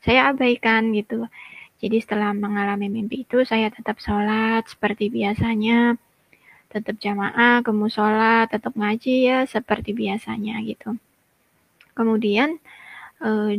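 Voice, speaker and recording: Gravelly woman in her thirties, flat-voiced. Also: mid-range voice, no room sound, highs cut off. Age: 30s. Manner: conversational, frequent fillers, addresses listeners as brothers and sisters. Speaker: testimony guest. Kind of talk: personal testimony.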